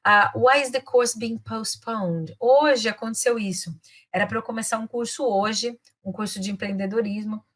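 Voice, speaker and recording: A woman's voice: fairly high pitch, normal speed. A woman with a Brazilian Portuguese accent, giving a casual English lesson as a teacher and career coach, chatting easily and slipping into English phrases with frequent tag questions.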